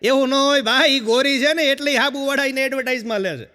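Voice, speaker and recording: A man telling stand-up jokes, a chatty storyteller who peppers his talk with quick "haa" fillers. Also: extremely high pitch, sharp tone, long reverb tail. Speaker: stand-up comedian.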